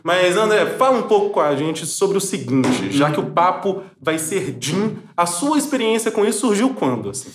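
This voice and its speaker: A man's voice: high voice, very animated, moderate pace, hardly any pauses, roomy sound. A Brazilian man hosting a podcast in a casual, playful, tongue-in-cheek way. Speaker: podcast host. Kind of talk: casual, joking podcast chat.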